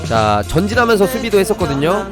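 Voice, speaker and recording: A man's voice: high voice, very animated, fast. A man doing live game commentary and tutorial as a streamer, talking to his viewers over music. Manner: talks to viewers, thanks donors. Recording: music behind the voice.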